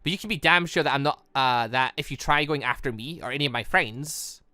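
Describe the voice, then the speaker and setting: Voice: medium pitch, fairly quick, pushed and bright, no echo, close to an everyday voice. A gaming host voicing a defiant young man from a visual novel, argumentative and blustering.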